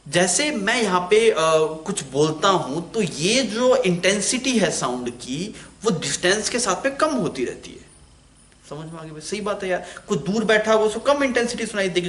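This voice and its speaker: Recorded in an echoey room, this male physics teacher delivers an online lecture in a high, slightly bright voice. His style is chatty, and he keeps asking the class questions only to answer them on his own.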